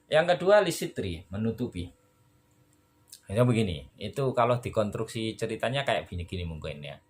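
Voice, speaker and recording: A tired man, teaching a recorded lesson on Arabic rhetoric in a relaxed, conversational way and acting out short dialogues to explain. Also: deep voice.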